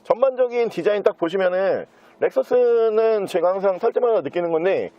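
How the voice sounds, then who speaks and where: A man giving an unscripted sales walkthrough as a used car dealer, with smooth, practised salesman patter. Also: high-pitched, animated, a little fast. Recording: dull, muffled lo-fi sound.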